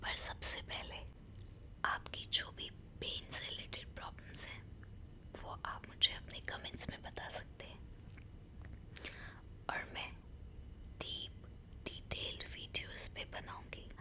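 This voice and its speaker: Female ASMR meditation guide, Indian accent. Breathy whisper throughout, very unhurried pacing, gentle soothing instructions. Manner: soothing, slow, gentle instructions in short phrases.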